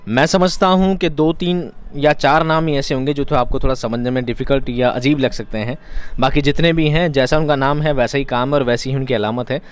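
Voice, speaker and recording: A man's voice: medium pitch, fairly even intonation, a little fast, smooth. A man teaching an exam-prep lesson, explaining each point by repeating it in other words and asking rhetorical questions.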